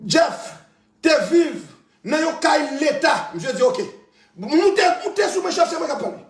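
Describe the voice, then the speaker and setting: A man with a Haitian accent, ranting loudly on a live stream, repeating phrases and laughing between shouts. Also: very high voice, big pitch swings, unhurried, echoey room. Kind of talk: heated live-stream rant.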